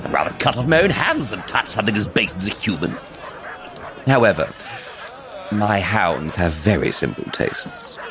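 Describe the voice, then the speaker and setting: An actor playing a gloating megalomaniac dark elf villain, mocking and sinister, in a fantasy audio drama. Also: male voice, fairly low pitch, sing-song, moderate pace, noisy background. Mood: menacing, sneering.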